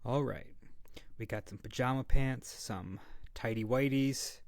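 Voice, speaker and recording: Guy acting as sweet caring young man, asmr roleplay, mid pitch voice, soft and doting, super dry close sound. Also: a little slow, gravelly, dry recording. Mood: tender, cheerful. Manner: soft, cooing, reassuring, slips into whispers. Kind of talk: wholesome ASMR audio roleplay.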